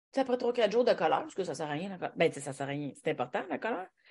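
With very wide pitch swings, a woman speaks in a Quebec accent over a quiet background. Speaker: comedian. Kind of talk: casual chat.

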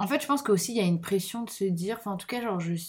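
A woman talks at a very fast pace in a somewhat breathy voice. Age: 20s. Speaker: university student and podcast host. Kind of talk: casual chat.

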